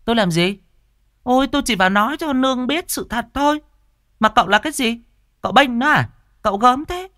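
A man voicing a sharp-tongued, spiteful young woman singer in a storybook reading, talking in a taunting, gossipy way. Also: on the high side, big pitch swings, moderate pace, no echo, studio quality, pitched above the performer's own voice. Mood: shrill scolding. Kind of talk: storybook narration with voiced characters.

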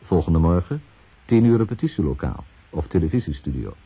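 A man narrating a scripted radio documentary in a measured way, in short, deliberate phrases. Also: low voice, sing-song, husky. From Netherlands. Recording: dull 1970s radio recording.

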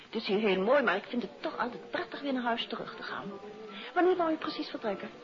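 An actress playing a composed, affectionate, questioning detective's wife in a 1950s Dutch radio play. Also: female voice, a little high, lively intonation, quick pace, natural voice. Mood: curious, fond. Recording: dull old radio recording, music behind.

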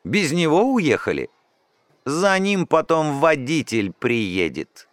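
A man voicing an upset, excitable schoolgirl who talks in a shrill, outraged way. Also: slow pace, no room sound. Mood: indignant.

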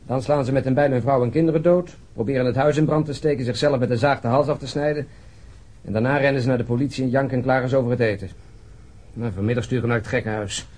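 An actor playing a world-weary police detective in a radio drama, grumbling in a sardonic way. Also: male voice, mid-range voice, fairly even intonation, fast, a little mellow, lightly acted.

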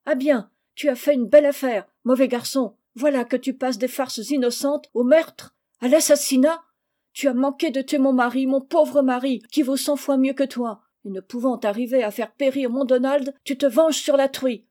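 A shrill, accusing farm wife, as a woman reader puts her on, pitched high and pushed loud. Her scolding is sharp and piercing, in a mellow storybook voice. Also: fairly even intonation, moderate pace, close to an everyday voice. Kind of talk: audiobook character reading.

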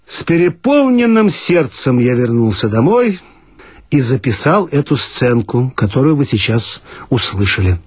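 A man's voice: mid-range voice, sing-song, measured pace, breathy edge. A man reading humorous first-person stories for radio in a mock-earnest, ironic manner. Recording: archival radio recording with guitar music. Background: guitar music.

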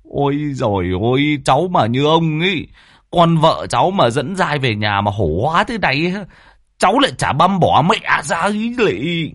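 Brief: male storyteller playing a jumpy, gossipy villager, fast and exclaiming, pitch leaping around; dry close sound. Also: sing-song, fairly bright tone, dry recording. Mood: panicky. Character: excitable gossipy middle-aged village man.

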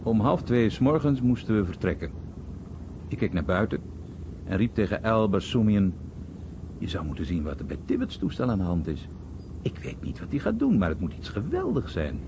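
A war airman telling his memories vividly, in a lowish voice with very lively intonation. It is a documentary voice-over with dulled sound and clear noise behind it. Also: normal speed, highs cut off, heavily acted. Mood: recounting. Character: American war airman recalling bombing missions. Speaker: voice actor reading a veteran's memories.

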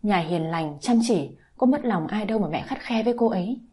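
A woman reading the lines of a torn, gentle young husband in a story, softly and wearily. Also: medium pitch, animated, brisk, husky. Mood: pleading. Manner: soft, weary.

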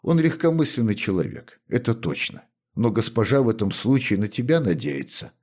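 A gruff, commanding old butler, as a male reader puts him on, issues orders in this storybook reading. His stern voice sits slightly raised and moves with lively inflection. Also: fairly low pitch, moderate pace, pitched above the performer's own voice. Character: stern, bossy older male house butler. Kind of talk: audiobook character reading.

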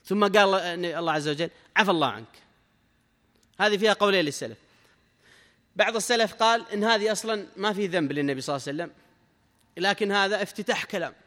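A man's voice: sits high, sharp tone, long reverb tail. A man teaching a lesson on reflecting on the Quran, talking emphatically, quoting verses and acting out short exchanges. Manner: rapid, emphatic, quotes verses and acts out dialogue. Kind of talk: sermon lesson.

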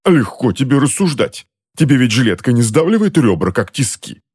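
A man reading an audiobook and voicing a cursed, tormented middle-aged uncle who snarls, whines and wails in a shrill, strained voice. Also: very animated, normal speed, darkish tone, slightly rough. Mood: anguished, snarling. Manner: shrill, wailing, pleading.

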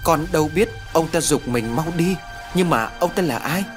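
A man's voice: fairly high pitch, expressive, normal speed, music in the background, voice pushed up, close to an everyday voice. Man voicing a frightened young woman. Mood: alarmed. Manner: anxious, urgent. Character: frightened young woman searching for her sister.

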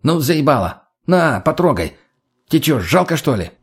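A man's voice: a little high, big pitch swings, normal speed, slightly rough, voice pushed up, heavily acted. A man voicing a crude, cheeky male junkie who provokes and teases his friends. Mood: taunting.

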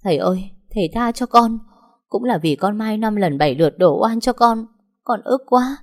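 A woman's voice: mid-range voice, lively intonation, moderate pace, pitched above the performer's own voice, lightly acted. A woman voicing a desperate young wife who pleads and sobs for forgiveness. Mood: pleading, tearful. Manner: tearful begging.

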